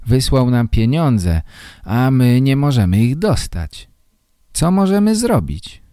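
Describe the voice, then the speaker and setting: A man voicing an upset, worried village woman in a slow read-aloud story for learners. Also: mid-range voice, sing-song, mellow, smooth, no echo, studio quality, pitched above the performer's own voice. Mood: fretful. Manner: fretful, plaintive.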